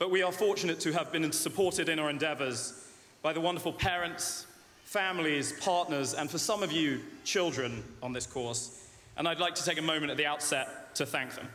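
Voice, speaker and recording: A man with a British accent talks at a fairly quick pace. His pitch is fairly high, with ordinary pitch variation. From UK. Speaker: MBA graduate class speaker; speaker. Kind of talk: graduation speech. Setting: stage with audience in a greenhouse. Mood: humorous, warm. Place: tent.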